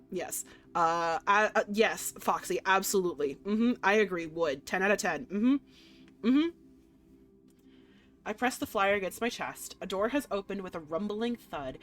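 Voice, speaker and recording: Female streamer, mid-pitched, narrating a visual novel with expressive, excitable commentary over faint background music. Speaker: game streamer reading a visual novel aloud. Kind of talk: expressive read-aloud mixed with casual reactions.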